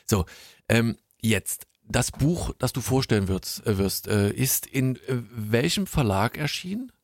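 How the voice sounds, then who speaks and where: A man co-hosting a comic podcast in a casual chat, often stumbling and repeating words as he talks. His voice has a gravelly fry, and it is recorded dry and close with no room sound. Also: medium pitch, expressive, a little slow, dry recording. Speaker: podcast co-host.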